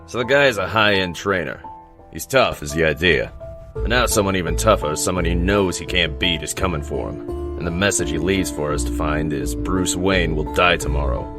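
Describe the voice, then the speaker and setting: An actor playing a world-weary older police commissioner in a crime drama, gruff and dryly sardonic. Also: male voice, low voice, normal speed, lightly acted. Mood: wry, weary. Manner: dry, gruff, musing. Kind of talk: crime audio drama dialogue. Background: background music.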